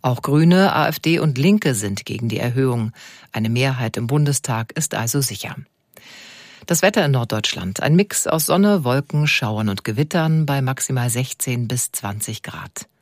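A man reading a radio news bulletin in a measured, formal way. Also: mid-range voice, lively intonation, dry recording, studio quality. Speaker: newsreader.

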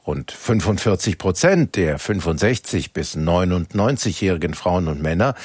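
A man presenting the news in a scripted, lively way from a studio. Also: sits low, moderate pace, slightly rough, no echo.

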